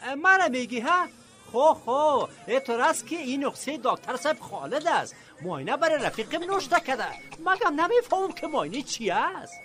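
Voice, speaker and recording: A man's voice: very high-pitched, sing-song, bright, forceful tone, exaggerated voice. An Afghan-accented male actor playing a cheeky, naive village man in a comic radio drama, chatty and over-polite. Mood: puzzled, amused.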